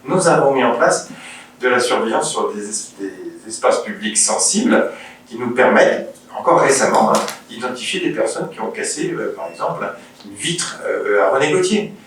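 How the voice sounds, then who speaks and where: A man with a French accent, heard from a distance in a very reverberant room, addresses a council as its chair. His pitch is middling. He explains things in a measured, slightly halting, official way, over faint noise. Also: lively intonation, fairly bright tone. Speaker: mayor chairing a municipal council meeting. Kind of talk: formal council speech, partly improvised explanation. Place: indoor council meeting room.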